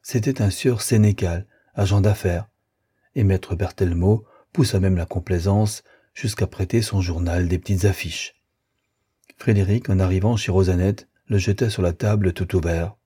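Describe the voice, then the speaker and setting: A man narrating a classic novel as an audiobook, in a measured, even storytelling manner. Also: low voice, breathy edge. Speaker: audiobook reader.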